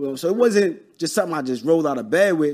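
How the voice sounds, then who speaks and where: A man with a fairly high pitch speaks in an animated, passionate tone with lively intonation. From Brooklyn, New York. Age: 30s. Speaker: real estate investor. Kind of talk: casual interview chat. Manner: loud.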